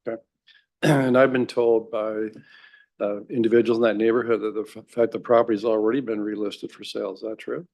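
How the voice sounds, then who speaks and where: A man's voice: fairly low pitch, level tone, fairly quick, vocal fry, a little mellow. A man chairing a council meeting who asks direct, probing questions.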